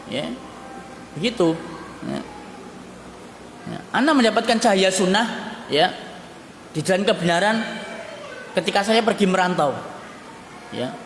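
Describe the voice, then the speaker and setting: A man's voice: high voice, a bit bright. A man giving a mosque sermon. He tags nearly every phrase with a questioning "ya" and slips into phrases. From Yogyakarta, Indonesia. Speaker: preacher. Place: mosque hall. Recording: echoey mosque hall with long reverb, faint hiss.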